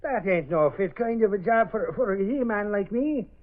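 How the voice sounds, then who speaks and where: Folksy dim bodyguard, very high voice, blustering, ungrammatical, tinny 1930s radio sound. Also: male voice, lively intonation, moderate pace. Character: dim, boastful male bodyguard, comic sidekick. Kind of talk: 1930s radio drama acting. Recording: tinny old radio broadcast.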